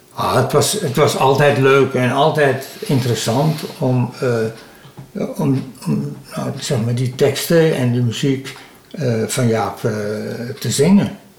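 A man speaks at a very slow pace with ordinary pitch variation, over noticeable background noise and audible room echo. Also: medium pitch for a man. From Netherlands, Amsterdam. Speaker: singer and cabaret performer. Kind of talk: interview. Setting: at home. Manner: halting.

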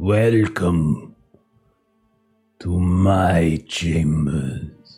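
A put-on character voice with ordinary pitch variation plays over faint music in the background. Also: man, very deep, low pitch for a man. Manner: ominous, welcoming.

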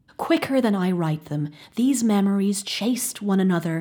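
In a very clean recording with a silent background, a woman uses a dramatic, theatrical tone, her voice somewhat breathy, dark and mellow. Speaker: actor performing a story. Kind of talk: ghost story telling: hushed, eerie, dramatic narration of a Victorian tale. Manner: slow, measured and suspenseful, with a hushed, ominous tone and theatrical pauses; formal, period-style storytelling with dramatic emphasis.

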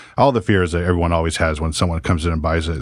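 Recorded very cleanly against a silent background, a man with a West Coast accent speaks in a very deep, low voice. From Salem, Oregon. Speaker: bar and radio station owner. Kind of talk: casual interview.

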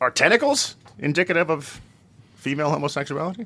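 Very wide pitch swings and vocal fry from a man speaking at a fairly quick pace. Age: 40s. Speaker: podcast co-host. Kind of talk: casual chat.

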